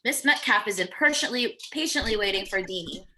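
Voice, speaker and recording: A woman's voice: mid-range voice, animated, a little fast, bright, forceful tone, slight background noise. A woman narrating screenplay stage directions in a plain descriptive reading, with the occasional stumble, at a virtual table read.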